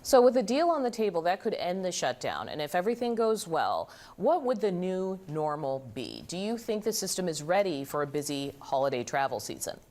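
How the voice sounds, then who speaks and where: A woman with a notably low voice anchors a live news interview. She puts questions to her guest in a conversational broadcast register. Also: big pitch swings, a little fast, few pauses, darkish tone.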